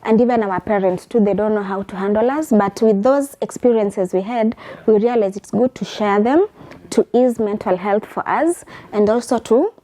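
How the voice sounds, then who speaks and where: A young woman speaks as a guest in a television interview. Her voice is mellow and warm, and she sits at middle pitch. She explains her points at length in a measured, earnest manner. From Kenya. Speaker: guest, lawyer and advocate.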